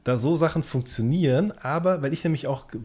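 A man's voice: on the high side, fairly quick, darkish tone. A man in casual podcast chat as co-host, explaining things while thinking aloud and rephrasing hesitantly.

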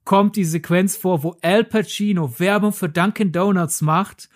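A woman co-hosts a film podcast, talking loosely and at length. She rambles and pokes fun at herself as she tells her stories, with a lively, animated delivery. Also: lowish voice, unhurried. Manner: rambling, self-mocking, lively storytelling. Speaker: podcast co-host. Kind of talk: casual film chat.

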